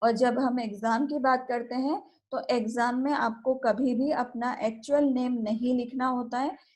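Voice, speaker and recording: An Indian woman teaching English at a university, explaining in Hindi and mixing in English terms, and reading example sentences out slowly. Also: high voice, a little mellow. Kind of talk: recorded classroom lecture.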